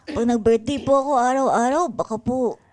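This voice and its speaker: A woman acts a small boy with a high, childlike voice. He is polite, naive and a bit lonely, played in an improvised comedy radio play. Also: a little fast, a little mellow, close to an everyday voice. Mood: polite, hesitant. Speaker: improv radio drama performer. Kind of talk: improvised comic radio drama.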